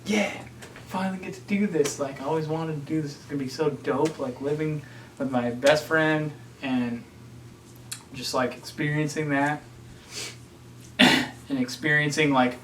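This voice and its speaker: Heard from afar in an echoey room with a little hiss or hum, this twentysomething podcast co-host chats casually with friends, meandering and leaning heavily on "like." His voice sits fairly high, with fairly even intonation, a measured pace and frequent pauses.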